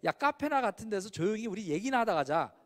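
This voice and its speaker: A man's voice: high-pitched, big pitch swings, quick pace. A man acting out an easygoing, peace-loving male classmate who avoids fuss, recorded with a long hall reverb. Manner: laid-back, timid.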